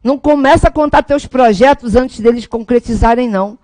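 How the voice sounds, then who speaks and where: A Brazilian Portuguese woman delivering an energetic law lesson with a high voice. She rallies and coaches her students directly. The sound is dry and close, with no room around it. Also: brisk, dry recording. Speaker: law teacher. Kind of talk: lively classroom lecture.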